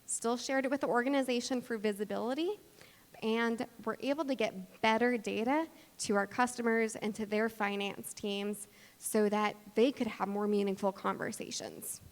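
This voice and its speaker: A woman's voice: on the high side, fairly even intonation, moderate pace. A woman giving an explanatory conference presentation as a practitioner speaking to an audience. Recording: long hall reverb.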